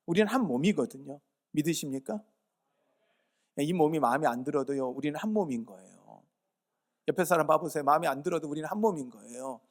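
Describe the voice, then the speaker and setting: A man's voice: on the high side, lively intonation, a little fast. Earnest pastor man preaching a sermon. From Yeosu, South Korea. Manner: asks the congregation rhetorical questions and answers them himself; earnest, urging. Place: church service.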